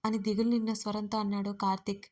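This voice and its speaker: A woman narrates an audio story in the first person. Her read is plain and steady, held in a narrow pitch range that stays almost flat. Her voice sits in a middle register for a woman. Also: fast.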